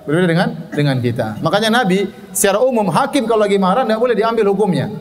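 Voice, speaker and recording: A man with a high voice gives a religious study lecture on hadith. He reads the Arabic narration and then explains it plainly, chuckling at his own examples. His voice rings with a long reverb. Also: expressive, fast. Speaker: Islamic teacher.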